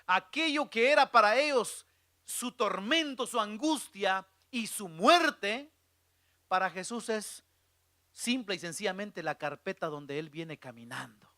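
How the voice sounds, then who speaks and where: High, bright-voiced male preacher. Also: lively intonation, a little slow, dry recording, studio quality. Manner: dramatic storytelling, drops to a hush then swells. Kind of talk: sermon.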